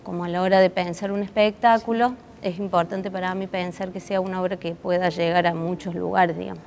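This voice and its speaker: A woman's voice: on the low side, level tone, brisk, gravelly, a little mellow, a little hiss or hum. A woman with a Córdoba Argentine accent answering interview questions conversationally, thoughtfully searching for words and rephrasing as she goes. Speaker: interviewed puppet theatre artist.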